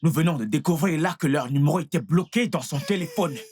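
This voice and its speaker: A man's voice: on the high side, fairly quick, a little mellow, a little hiss or hum, close to an everyday voice. An actor voicing an anxious young man in a dubbed film drama, soothing the family and repeating himself. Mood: explaining.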